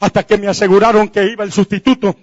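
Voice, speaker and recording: A male pastor giving a fervent testimony sermon, often calling out hallelujah and shouting at the peaks. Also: high-pitched, flat delivery, quick pace, long reverb tail, highs cut off.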